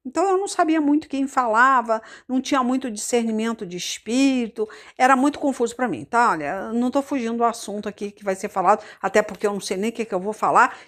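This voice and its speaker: A woman preacher with a Carioca accent tells her own testimony in a loose, talkative sermon. Her voice sits a little high, and she keeps repeating words and checking in with her listeners as she goes. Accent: Carioca Brazilian Portuguese. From Rio de Janeiro, Brazil. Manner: conversational, repeats words, many fillers and asides to the congregation. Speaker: missionary preacher. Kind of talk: informal sermon with personal testimony.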